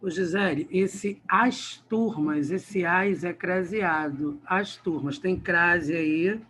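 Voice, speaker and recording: Speaking with a Carioca Brazilian Portuguese accent, this Rio de Janeiro man runs an online grammar lesson, teasing and chatting straight at the students. He has a high, sharp voice and takes his time, with a little hiss or hum in the audio.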